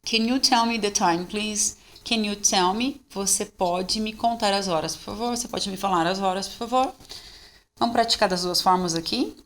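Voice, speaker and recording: A Brazilian woman with a Brazilian Portuguese accent, teaching English in a bilingual lesson, slowing down to model phrases and checking in with her students. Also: mid-range voice, a little hiss or hum.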